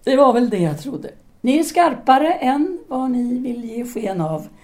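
A woman's voice: high-pitched, very animated, a little mellow. A woman playing a self-assured, seductive philosopher-teacher in an audio drama, speaking in an articulate, formal, lecturing manner. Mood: earnest, philosophical. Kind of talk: audio drama dialogue acting.

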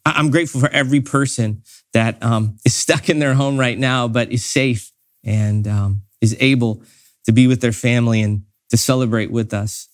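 A man with a mid-pitched voice talks like a pastor to his congregation. He is earnest, grateful and conversational, moving easily between informal appeal and prayer. The sound is dry and close. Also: fairly even intonation, normal speed, dry recording.

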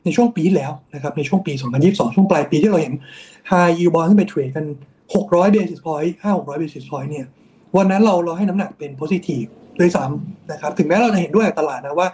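A man's voice: a little high, a little fast, mellow. A man giving an explanatory commentary on bond markets, often tagging his sentences with polite particles. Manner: explanatory, mixes English finance terms, frequent polite particles. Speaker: investment strategist.

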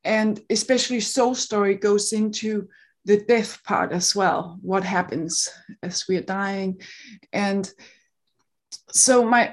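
Chatty woman with a Danish accent. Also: medium pitch. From Denmark. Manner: chatty, laughs easily, restarts often. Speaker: summit interviewer. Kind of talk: casual online interview.

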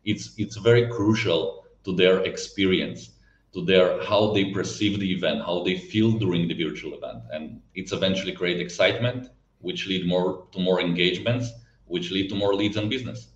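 A man's voice: deep voice, normal speed. A non-native English-speaking man with a foreign accent, explaining things conversationally and searching for words at times. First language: not English. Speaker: event technology company guest. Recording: roomy, slightly dull lo-fi sound.

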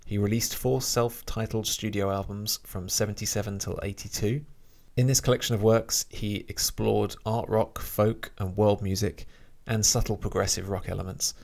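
In a casual conversation about music, a man with a lowish, gravelly voice talks relaxedly yet hesitantly at normal speed with few pauses, sometimes reading a short bio aloud.

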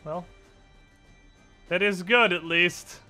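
A man narrating a tabletop role-playing game as game master, telling it deliberately and with suspenseful pauses. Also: sits high, pushed and bright, faint music behind.

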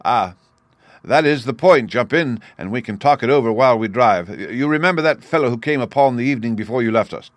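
Man acting a distraught young gentleman. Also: medium pitch, lively intonation, brisk, no room sound, close to an everyday voice. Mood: urgent. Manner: emphatic, anguished, dramatic. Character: distraught, careworn young gentleman, son of squire.

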